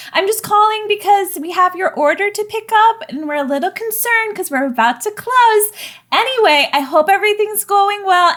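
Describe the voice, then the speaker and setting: A woman voicing a flustered, overly polite young florist leaving a phone message, in a high chirpy voice with nervous fillers. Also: bright, forceful tone. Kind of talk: tabletop role-play voicing.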